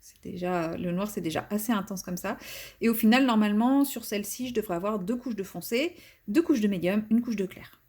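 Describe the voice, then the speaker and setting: A woman's voice: medium pitch, brisk, darkish tone. A woman talking casually while she colors, rambling and poking fun at herself, with many fillers. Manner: chatty, self-mocking, rambling with fillers and restarts. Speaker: coloring channel host. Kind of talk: casual color-along commentary.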